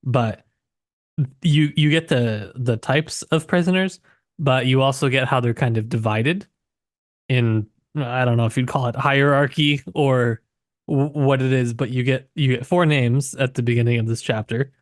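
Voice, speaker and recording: A man with a mid-pitched voice co-hosts a book discussion podcast. He speaks casually, qualifying his points and thinking aloud as he goes. The sound is dry, with very little room in it. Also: unhurried, no echo. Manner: informal, hedging, thinking aloud. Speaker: podcast co-host.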